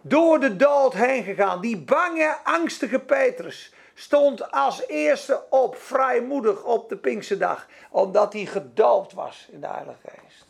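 A man's voice: very high voice, animated, slow, vocal fry, husky. A man teaching a Bible lesson, preaching emphatically and repeating key words for effect.

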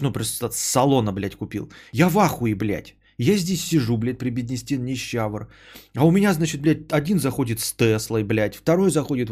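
Man, podcast host, husky voice, mellow tone, rambling, swears a lot, gets worked up. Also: mid-range voice. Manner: rambling, profane, worked-up ranting. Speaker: podcast host talking to his chat. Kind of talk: casual livestream chat.

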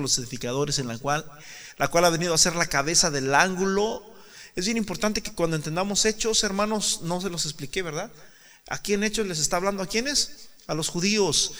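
A man preaching a sermon emphatically, asking rhetorical questions and swinging from quiet talk to shouts. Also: fairly high pitch, gravelly. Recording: reverberant hall.

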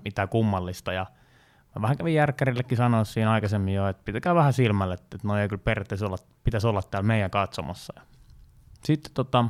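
A man hosting a casual fan podcast, telling a story with many fillers in a lively, rambling way. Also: lowish voice. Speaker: podcast host, fan group organizer. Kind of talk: casual chat, anecdote telling.

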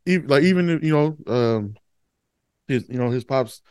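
A man's voice: medium pitch, animated, measured pace, a little mellow, smooth, no room sound. A man chatting on a podcast in a slangy, profane, emphatic way. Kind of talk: casual podcast chat.

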